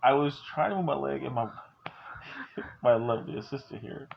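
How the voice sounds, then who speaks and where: A man's voice: mid-range voice, normal speed, gravelly, lo-fi sound, a little hiss or hum. A man in his forties talking at home, candid and joking but earnest as he gives advice. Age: 40s. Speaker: vlogger. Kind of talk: casual talk to camera.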